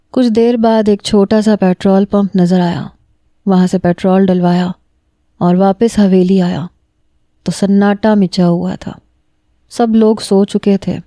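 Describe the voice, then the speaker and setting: A woman narrating a romantic story in the first person, steady and emotional. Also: medium pitch, dry recording, clean studio sound.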